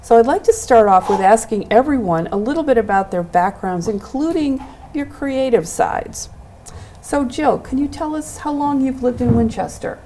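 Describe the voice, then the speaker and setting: Mellow-voiced woman hosting a local TV chat. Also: fairly high pitch, lively intonation, moderate pace, a little hiss or hum. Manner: gentle, encouraging questioner. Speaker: host. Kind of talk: local access TV interview.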